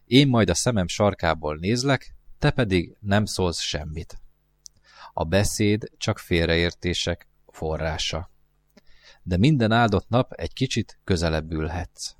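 A deep, low, lonely fox speaks with earnest patience in a storybook reading, voiced by a man. He muses and pleads gently, and his low voice stays calm and wise. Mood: pleading.

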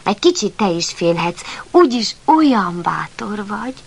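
A woman's voice: medium pitch, sing-song, gravelly, breathy edge, heavily acted. A woman voicing a timid, worried little puppy who speaks in an anxious half-whisper. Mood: hushed.

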